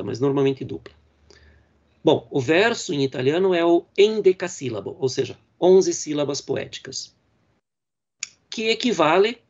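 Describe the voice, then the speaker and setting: A man from Brazil delivers a university lecture on poetic verse and fills his explanations with small fillers. His voice sits a bit high for a man, and it reaches the listener through dull, muffled audio. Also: a little mellow. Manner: reads verse lines slowly and deliberately. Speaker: literature professor.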